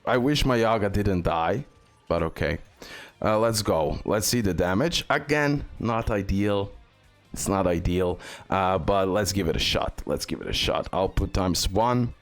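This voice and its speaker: A man's voice: low voice, expressive, measured pace, soft background music. A man giving casual, unscripted gameplay commentary as a video host, often repeating short phrases over and over.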